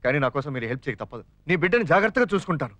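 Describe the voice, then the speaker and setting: An actor playing a fast-talking, scheming young father who pleads and teases his friend in a comic film scene. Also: on the high side, sing-song, fairly bright tone, dry recording. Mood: teasing. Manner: rapid, jokey, wheedling. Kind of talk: 1990s Telugu film acting.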